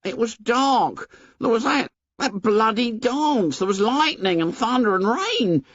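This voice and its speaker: A man voicing a shrill, nearsighted, anxious schoolboy who talks in rough, ungrammatical boy's speech. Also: sing-song, unhurried, fairly bright tone, no room sound, muffled recording, full character voice. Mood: agitated. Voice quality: shrill, pleading.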